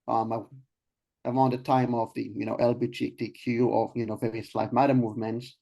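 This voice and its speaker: A man's voice: medium pitch, flat delivery, normal speed, creaky, warm tone. A young man from Israel, a guest in an interview, talking casually with many ums and restarts. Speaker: guest, life coach.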